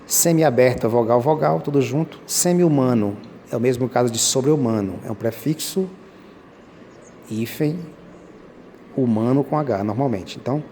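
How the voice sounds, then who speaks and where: A man's voice: medium pitch, moderate pace, mellow, slight background noise. A man explaining Portuguese grammar rules step by step as a teacher, patiently repeating key points and speaking directly to viewers. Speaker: teacher commenting on exam questions.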